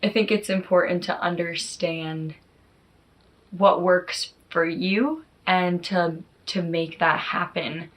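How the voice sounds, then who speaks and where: A YouTube vlogger in her early twenties talks to camera in a lowish, fairly bright voice, and the recording quality is low. Her chatter to viewers is casual and informal, sprinkled with fillers like "like" and "you know."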